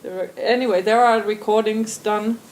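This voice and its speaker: A woman's voice: medium pitch, fairly even intonation, normal speed, a little mellow. A woman speaking as a panelist at a symposium, in a loose way with restarts and trailing fillers. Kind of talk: panel discussion talk. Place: symposium hall.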